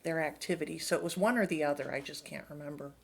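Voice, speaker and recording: A sixty-three-year-old woman with a slightly low voice takes part in an interview. She is retired and answers in a casual, conversational way. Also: fast talker, creaky. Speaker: interviewee, retired class participant.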